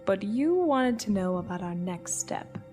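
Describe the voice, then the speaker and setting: An actress as a commanding villainess in an audio drama, with a mid-pitched voice. She is cold, measured and menacing, with faint music underneath. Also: expressive, warm tone, lightly acted. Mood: controlled, smug. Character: cold, commanding female villain, leader of conspirators.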